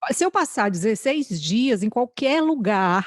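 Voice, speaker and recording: On a very clean recording with a silent background, a woman speaks very slowly at a fairly high pitch, the sound dry and close with no echo. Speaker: podcast host. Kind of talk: casual chat.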